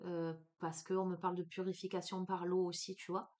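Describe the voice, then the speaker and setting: A woman with a Marseille accent giving a spiritual card reading, talking casually and warmly to the listener with lots of fillers and restarts. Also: on the low side, flat delivery, moderate pace. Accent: Marseille French. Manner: chatty, hesitant, many fillers, addresses listener as tu. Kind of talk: casual spiritual guidance talk.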